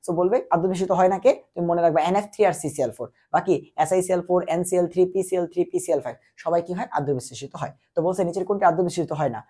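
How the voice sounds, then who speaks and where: A young man tutors chemistry for exams while running a fever. His voice is husky and mellow, and he keeps quizzing the listener and answering his own questions. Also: sits high, very fast, few pauses. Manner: repetitive call-and-answer teaching, quizzing the listener. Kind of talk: exam-prep lecture.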